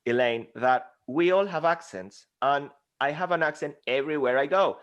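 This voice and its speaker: An animated man speaking English with a Venezuelan Spanish accent, his first language being Spanish. He talks as a guest coach in an interview at a desk microphone, passionate and lively, slipping into quick acted exchanges to make a point. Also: fairly high pitch, lo-fi sound. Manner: animated, passionate, acts out dialogues. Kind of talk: energetic interview conversation.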